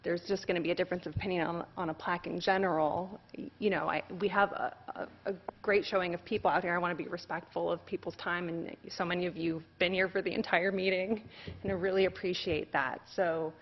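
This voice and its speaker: Hedging council member, lower-voiced woman. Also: fairly even intonation, quick pace, highs cut off, slight background noise. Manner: polite, hedging, many fillers and restarts. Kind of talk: council meeting statement.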